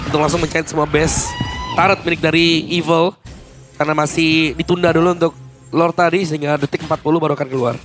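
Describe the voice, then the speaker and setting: A man co-commentates a live esports match. He talks quickly in a fairly high voice, analysing plays over prominent game music. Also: fairly even intonation, fairly bright tone.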